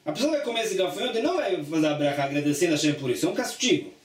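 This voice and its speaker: A Talmud teacher with a fairly high voice and big pitch swings reads a passage aloud rapid-fire, then explains it plainly, often repeating himself. The mic is distant and the room echoes.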